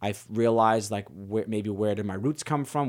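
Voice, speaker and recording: A man's medium-pitched voice in a New York accent, with ordinary pitch variation, on a very clean recording with a silent background. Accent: New York (Staten Island). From New York, Staten Island. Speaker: comedian and actor. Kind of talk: casual chat.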